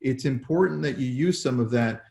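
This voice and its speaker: Chatty host in an echoey room. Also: male voice, mid-range voice, normal speed, creaky, dark tone. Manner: loose, repeats words while steering the talk. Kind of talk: casual interview chat. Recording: roomy echo.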